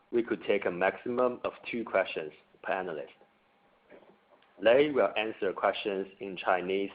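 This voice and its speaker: Man, formal call moderator and interpreter, lower register, thin telephone sound. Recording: tinny narrowband phone line.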